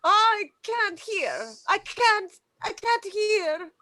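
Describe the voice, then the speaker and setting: A woman playing a haughty, impatient, hungry female vampire in a comedy table read, with theatrical drawn-out delivery. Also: very high voice, bright, forceful tone, heavily acted. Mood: impatient, mocking.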